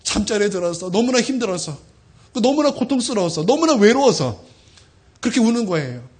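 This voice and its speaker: A man's voice: high-pitched, big pitch swings, a little fast, a little mellow, breathy edge. A male pastor in his thirties preaching a sermon, telling a heartfelt, emotional personal testimony to his congregation.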